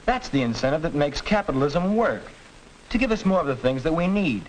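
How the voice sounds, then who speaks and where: A young man playing an earnest high school student explaining capitalism, in 1940s educational film acting, on a hissy old film soundtrack. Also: very animated, brisk, rough recording.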